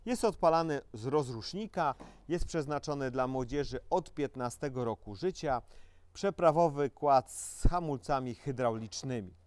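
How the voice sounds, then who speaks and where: A man's voice: medium pitch, normal speed, dry recording. Man listing quad specs, dry sound. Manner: listing specs in a steady, matter-of-fact way. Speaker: dealership salesman presenting a quad. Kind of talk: product presentation.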